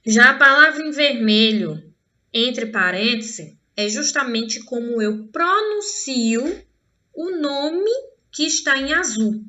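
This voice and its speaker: A Brazilian woman teaching English to children, drawing out each English word slowly and often checking in with the class. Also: high-pitched, expressive, sharp tone, highs cut off. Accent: Brazilian Portuguese. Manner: slow, drawn-out modelling of English words. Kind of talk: online class for young pupils.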